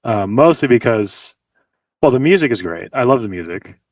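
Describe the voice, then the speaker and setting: A man's voice: medium pitch, animated, normal speed, no room sound. A man from the US, a guest musician talking casually over a video call and filling his sentences with "like". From Los Angeles, United States. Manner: chatty, leans heavily on "like" fillers. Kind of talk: casual interview chat. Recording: dry, slightly distant mic.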